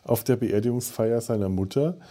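A man's voice: medium pitch, moderate pace, mellow. A man co-hosting a podcast, talking casually with many fillers and restarts. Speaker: podcast host.

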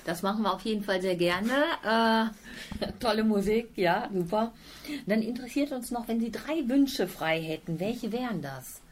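A woman's voice: medium pitch, moderate pace, slight background noise. Woman hosting a local radio interview. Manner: friendly, encouraging interviewer. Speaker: radio show host.

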